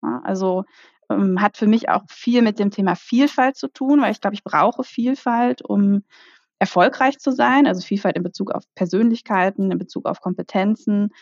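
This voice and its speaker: A woman with an ordinary speaking voice talks at a moderate pace, with a medium pitch and lively intonation. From Ruhr area, Germany. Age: 40s. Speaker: HR executive. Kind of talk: interview.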